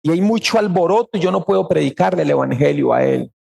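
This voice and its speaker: A man's voice: high-pitched, animated, fast talker, vocal fry, darkish tone, husky. A man with a Costa Rican Spanish accent, a pastor telling a personal story in an earnest sermon. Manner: earnest storytelling, quoting people in raised voice.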